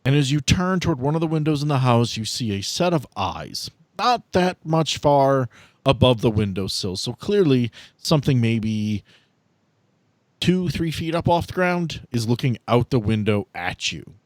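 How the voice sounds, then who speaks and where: A man acting as game master, narrating a tabletop role-playing game in descriptive, deliberate detail. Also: mid-range voice, big pitch swings, no echo.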